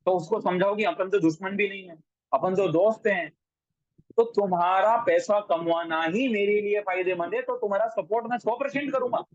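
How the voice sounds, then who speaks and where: A man giving a motivational sales training talk, forceful and repetitive, speaking straight to the listener. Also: high-pitched, moderate pace, no room sound, muffled recording. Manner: forceful, repeats lines and addresses the listener directly.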